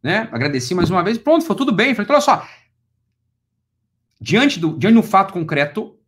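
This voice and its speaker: A Brazilian man speaks rapidly, piling one phrase on the next. He repeats himself to press his point, in a voice that sits a little higher than most men's, like a lecturer in full flow. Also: big pitch swings. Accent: Brazilian Portuguese. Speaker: philosophy lecturer. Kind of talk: heated monologue to camera.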